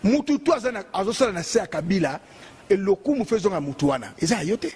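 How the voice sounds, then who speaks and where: A man's voice: high-pitched, lively intonation, quick pace, a little mellow, slightly rough. A man with a Congolese accent, a bishop giving a heated, emphatic, repetitive political monologue.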